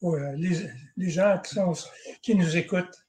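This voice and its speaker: An older man speaks in a noticeably high voice. He tells his memories in a digressive way and keeps clearing his throat. His voice echoes around a roomy space. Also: measured pace, a loud crowd. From Northern Ontario, Canada. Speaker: guest. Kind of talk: rambling personal recollection.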